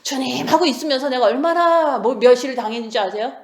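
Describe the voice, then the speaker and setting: A woman's voice: high-pitched, lively intonation, fast, echoey room. A woman in her forties giving a conversational sermon, often turning to the audience with "right?". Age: 40s. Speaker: preacher.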